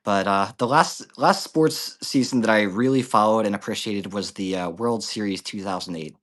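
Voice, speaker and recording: A man hosting a casual chat, asking measured, thoughtful questions with small hesitations. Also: lowish voice, a bit bright. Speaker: host.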